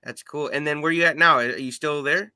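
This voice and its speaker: Bright, upbeat male host. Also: fairly high pitch, brisk, clear, resonant tone, no room sound, studio quality. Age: 30s. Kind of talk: casual interview chat.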